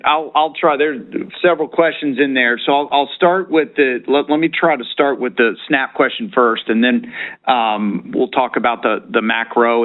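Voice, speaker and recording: A man speaking as a company executive answering questions on an earnings call, in a measured, halting corporate manner. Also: medium pitch. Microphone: conference call line. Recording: narrow-band conference phone line.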